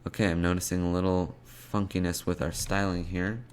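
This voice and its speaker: A man presenting a casual step-by-step programming tutorial, haltingly thinking aloud as he types. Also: deep voice, flat delivery. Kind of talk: casual step-by-step coding screencast narration. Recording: clear background noise, keyboard clicking and typing. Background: computer keyboard typing and clicks.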